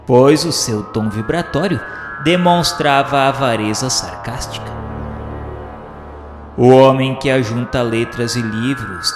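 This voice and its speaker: A man with a Brazilian accent giving a solemn, formal, measured dramatic narration, like a scripted radio novela. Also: mid-range voice. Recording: echoey, long reverb, music behind. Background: music.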